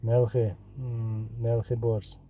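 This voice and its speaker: A man with a Chechen accent, a native Chechen speaker, hosting a live stream and answering viewer questions in an unhurried way, pausing often. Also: mid-range voice, monotone, warm tone, slight background noise. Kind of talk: casual live chat reading comments.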